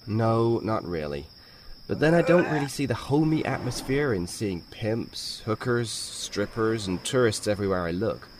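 A man's voice: fairly low pitch, animated, normal speed, close to an everyday voice. An actor playing a rebellious young man with a dry, mocking sarcasm in an audio drama. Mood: sarcastic. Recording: noisy background.

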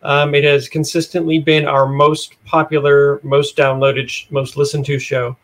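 Male interview guest, pitched slightly high. Explains things plainly and casually, with a matter-of-fact delivery. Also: little pitch movement, moderate pace. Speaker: podcast guest, audio drama producer.

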